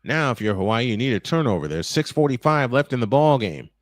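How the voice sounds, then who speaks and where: A man calling a football game play-by-play, steady between downs and surging with excitement on big plays, sometimes correcting himself mid-call. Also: medium pitch, brisk, no echo. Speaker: play-by-play announcer. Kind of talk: play-by-play commentary.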